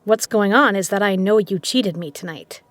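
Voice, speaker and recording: A confrontational female poker boss acted by a woman, recorded very dry. She speaks bluntly and pointedly at a medium pitch, in audio drama style. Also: normal speed, dry recording, lightly acted. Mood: accusing. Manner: pointed, accusing, direct. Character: blunt, confrontational female poker legend running a gambling den.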